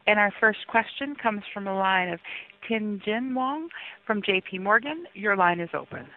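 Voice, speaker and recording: A woman's voice: mid-range voice, moderate pace. A woman working as a conference call operator, giving scripted announcements over the phone. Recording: tinny narrow-band phone line.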